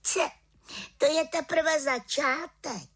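A woman's voice: sits high, a bit bright, pitched above the performer's own voice. Woman doing a cheerful young girl witch. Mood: bossy. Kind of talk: storybook character voice.

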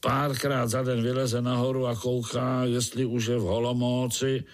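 A man's voice: medium pitch, little pitch movement, lightly acted. A man voicing a grumpy, gloomy male earthworm who grumbles scornfully.

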